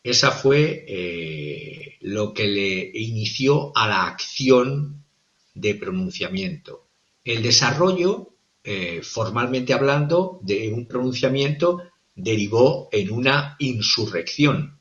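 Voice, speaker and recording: A male political analyst giving formal, methodical commentary, often pausing on "eh" between points. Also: medium pitch, big pitch swings, fairly bright tone, dull audio. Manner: formal and methodical, with frequent hesitations.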